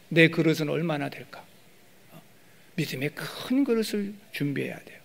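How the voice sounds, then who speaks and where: A middle-aged man preaching a sermon as pastor, animated, acting out prayers and calls with sudden loud bursts. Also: a little high.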